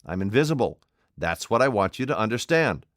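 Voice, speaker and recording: A man's voice: fairly low pitch, very animated, brisk, no room sound, studio quality. A man voicing an invisible man in an audiobook, speaking in a curt, imperious, cold way. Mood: menacing. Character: commanding, desperate invisible man, adult male. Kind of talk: audiobook character voice.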